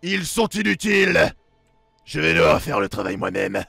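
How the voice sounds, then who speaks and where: A man voicing a menacing, gloating demon monster from a video game in a slow, booming villain monologue. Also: big pitch swings, creaky, sharp tone, husky, no echo, faint music behind, full character voice. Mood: threatening. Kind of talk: dramatic read-aloud of video game dialogue.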